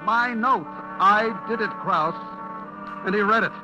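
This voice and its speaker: A man's voice: high voice, measured pace, dull audio. An actor playing a terrified, guilty man on the run, telling his story in a breathless, dramatic old radio suspense style. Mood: haunted, tense. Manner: breathless, dramatic, swinging from hushed dread to frantic cries. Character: terrified, guilty man hunted by a vengeful butcher. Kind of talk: 1940s-50s radio suspense acting, first-person narration. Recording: old-time radio broadcast with music behind. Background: dramatic music.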